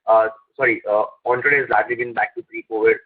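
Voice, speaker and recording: A man's voice: medium pitch, fairly even intonation, fast talker. A man with an Indian accent, an analyst hesitantly framing questions on an earnings call and repeating words as he goes. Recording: narrow tinny phone line.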